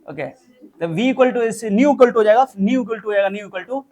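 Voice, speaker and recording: A man's voice: high voice, moderate pace, darkish tone. A man tutoring chemistry, mixing in English terms, repeating formulas and scolding his student. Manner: mixes Hindi with English terms. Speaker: chemistry teacher. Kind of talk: informal tutoring lesson.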